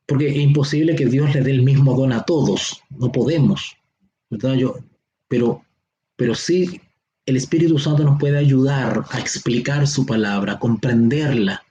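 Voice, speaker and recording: A man with a Chilean accent teaching a Bible seminar online. He explains slowly, stretches key words and keeps checking that his listeners follow. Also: mid-range voice, dark tone, lo-fi sound, slight background noise. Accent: Chilean Spanish. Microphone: online class or teleconference.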